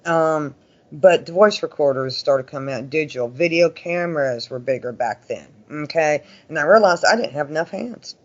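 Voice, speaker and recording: A man's voice: fairly high pitch, normal speed. A man talking casually as an interview guest, telling stories in a chatty, folksy way and often voicing quoted remarks. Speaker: interview guest, paranormal investigator. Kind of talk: casual conversational storytelling. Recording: dull lo-fi audio.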